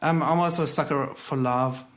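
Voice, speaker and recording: At a normal speed, a thirtysomething comedian raised in Germany talks as a guest in a relaxed conversation. He delivers wry, deadpan humor in a voice a bit high for a man.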